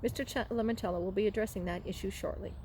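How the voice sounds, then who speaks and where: A woman's voice: mid-range voice, steady tone, quick pace, darkish tone, lightly acted. Woman reading as a polite motherly hologram librarian. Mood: politely formal. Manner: formal, literal, polite. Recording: clearly noisy room recording.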